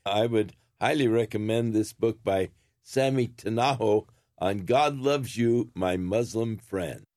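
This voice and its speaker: A man from a church calmly recommending something. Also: on the low side, unhurried, dry recording, studio quality.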